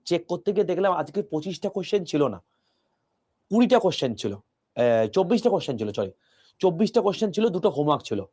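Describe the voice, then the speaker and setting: A male physics teacher speaks quietly and close to the mic, his voice mellow and a little higher than most men's. He walks students through each idea with patient questions. The delivery is soft and steady, like an online class lecture. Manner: talks softly to a close mic, explaining step by step with rhetorical questions.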